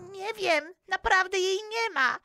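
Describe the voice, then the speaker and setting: Woman playing a timid, high-pitched little boy. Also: animated, measured pace, pushed and bright, soft background music, full character voice. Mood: anxious, apologetic. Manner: hesitant, stammering, anxious. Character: timid, easily frightened little Eskimo boy Eurydek. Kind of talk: improvised children's audio play.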